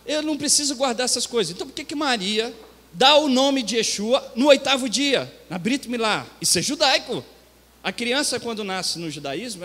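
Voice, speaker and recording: A man with a very high voice delivers a conversational sermon, addressing the congregation directly and pressing his points with emphasis. His voice carries a long reverb from the church hall around him. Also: a bit bright. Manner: conversational preaching, rising to emphatic. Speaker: pastor.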